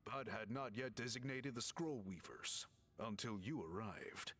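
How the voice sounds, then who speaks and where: Courteous, expressive tribal chief. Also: male voice, medium pitch, unhurried, very noisy. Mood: explaining solemnly. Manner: formal, polite, slightly hesitant. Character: tall male tribal chief, courteous, measured, uneasy. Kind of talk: video game voice acting. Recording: faint music behind.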